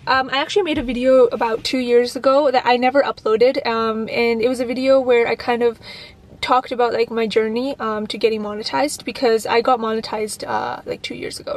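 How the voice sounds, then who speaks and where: A young woman in her early twenties with a high voice talks to camera from the driver's seat of a parked car. She rambles easily through viewer questions, dropping plenty of "um"s and "like"s and restarting her sentences. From Canada. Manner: chatty, many fillers and restarts. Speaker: YouTuber answering viewer questions. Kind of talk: casual Q&A vlog. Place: parked car, indoors of vehicle. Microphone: camera on dashboard, facing her.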